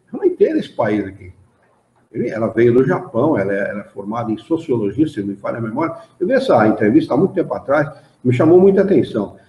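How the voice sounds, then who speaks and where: Lively Brazilian man leading a study group. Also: on the high side. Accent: Brazilian Portuguese. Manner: animated, chatty, asks the group for agreement. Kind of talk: informal study talk and reading aloud. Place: study hall of a spiritist association. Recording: dull echoey room recording.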